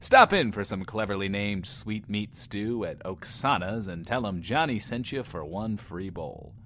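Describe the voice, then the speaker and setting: A smug male radio host in a post-apocalyptic audio drama. He takes his time in a lowish voice, showy and wisecracking, with faint noise behind him. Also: animated, unhurried, fairly bright tone. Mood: wry. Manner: showy, self-important, wry. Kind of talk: in-world radio show patter.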